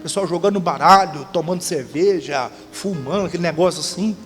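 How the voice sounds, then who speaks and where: A man's voice: on the high side, fairly quick. A man with a Brazilian accent, a pastor, preaching and telling stories while calling on the congregation to answer. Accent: Brazilian Portuguese. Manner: storytelling with call-and-response to the congregation. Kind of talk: Pentecostal-style sermon. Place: church hall during a service. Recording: audio of a church service with long reverb and music.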